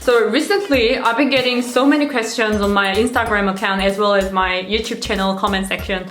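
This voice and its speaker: A woman's voice: medium pitch, fairly even intonation, brisk, a bit bright, soft background music. Woman, Korean accent, twenties, casual self-deprecating vlog chat, echoey room. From South Korea. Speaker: vlogger.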